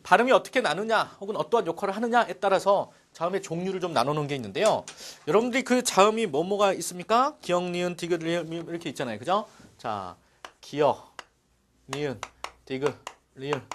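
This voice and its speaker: A man's voice: high-pitched, a little fast. A middle-aged man teaching a Korean language lesson, explaining step by step and checking in with his students as he goes. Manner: lively explaining, frequent "자" and rhetorical checks. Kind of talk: classroom lecture.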